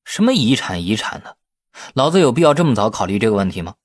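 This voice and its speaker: A man's voice: lowish voice, sing-song, fast. A man voicing a brash, irritable, defensive man who grumbles colloquially in an audiobook. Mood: irritated. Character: brash, irritable man in a family inheritance feud. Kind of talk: audiobook character acting.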